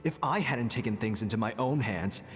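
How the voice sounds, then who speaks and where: An actor playing a scheming, self-justifying tribal chief in a video game, condescending and theatrical. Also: male voice, mid-range voice, animated, brisk, lightly acted. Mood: defensive, cold. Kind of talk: dramatic game dialogue. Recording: long reverb, music underneath.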